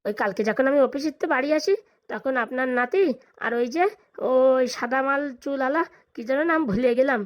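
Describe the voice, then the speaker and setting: A woman's voice: sits high, brisk, lightly acted. Woman as a stammering, pleading cartoon bridegroom. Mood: eager, tattling. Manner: stammering, hesitant, deferential. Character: nervous, pleading, balding young village bridegroom. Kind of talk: comic cartoon dialogue.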